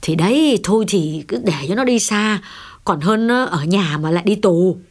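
A woman voicing a gentle, anxious middle-aged mother who pleads with her husband in an audiobook. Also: medium pitch, expressive, normal speed, natural voice. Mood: wry. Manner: pleading, worried.

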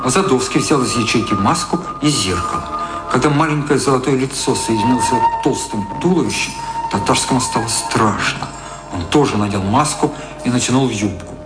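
A man's voice: mid-range voice, lively intonation, moderate pace. A man reading scripted narration for a radio drama. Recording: roomy echo. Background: music.

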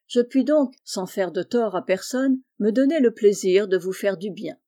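A woman doing a kind, fatherly gentleman benefactor. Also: mid-range voice, lively intonation, moderate pace, close to an everyday voice. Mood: tender. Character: kind wealthy middle-aged male painter, benefactor.

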